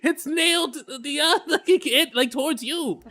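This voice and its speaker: High-voiced laughing streamer man. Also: normal speed, a little hiss or hum. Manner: laughs often, loud bursts of excitement. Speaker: streamer reacting to videos. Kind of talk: casual live-stream reaction chat.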